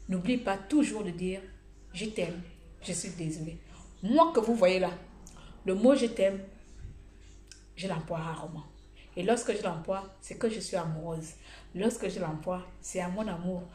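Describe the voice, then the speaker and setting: A woman vlogger giving blunt, humorous advice in a casual monologue, telling stories with animated energy. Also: medium pitch. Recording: echoey room.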